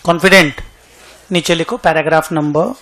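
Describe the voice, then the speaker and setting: Male teacher, high bright voice, chatty, dictates notes between jokes. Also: steady tone, moderate pace, slight background noise. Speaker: accountancy teacher. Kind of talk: classroom lecture with storytelling.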